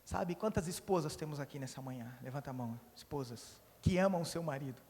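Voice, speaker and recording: A man, preaching a sermon in church, animated and joking, with emphatic bursts. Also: a little high, quick pace, slight background noise. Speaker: pastor. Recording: long church reverb.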